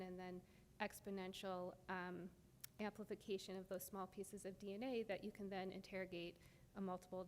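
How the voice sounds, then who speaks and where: A soft-spoken woman giving an academic lecture, explaining step by step with frequent ums. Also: mid-range voice. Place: lecture hall. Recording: reverberant lecture hall, faint noise.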